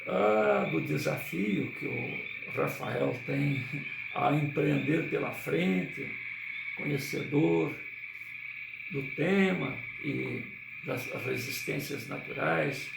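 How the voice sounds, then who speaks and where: A man with a Brazilian Portuguese accent reading a spiritual book aloud in a slow, measured way, with pauses. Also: mid-range voice, vocal fry, noisy background. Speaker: reader. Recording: roomy, distant mic, crickets and frogs.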